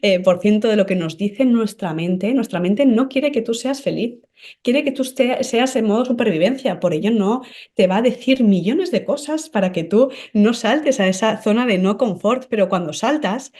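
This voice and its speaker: A woman's voice: mid-range voice, lively intonation, normal speed, mellow. A woman guest on a podcast, a medium and psychic, explaining in an earnest, teacherly way and often checking in with the host. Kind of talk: conversational podcast interview.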